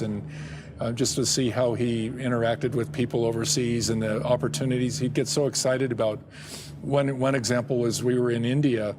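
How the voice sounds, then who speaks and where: A middle-aged man answering interview questions about his work and family, speaking haltingly with frequent restarts and soft chuckles. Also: medium pitch, noisy background. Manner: halting, many restarts and repeated words; chuckles often. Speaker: guest, ministry director.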